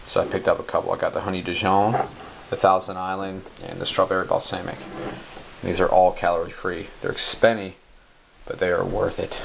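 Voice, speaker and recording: Young male vlogger, very low-pitched, casual and profane, filler-heavy; home kitchen, handheld cam, crinkly packaging noise. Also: vocal fry. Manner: laid-back, slangy and profane, many ums and uhs. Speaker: bodybuilder vlogger. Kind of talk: casual grocery haul show-and-tell. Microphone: handheld camera held close. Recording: crinkling bags and clicks close by.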